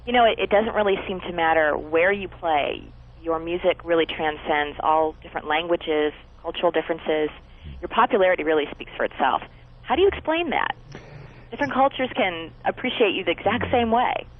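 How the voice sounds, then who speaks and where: A woman's voice: fairly low pitch, fairly quick. A woman hosting an interview, asking questions in an upbeat, chatty and encouraging way. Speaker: interview host. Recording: tinny phone-like audio.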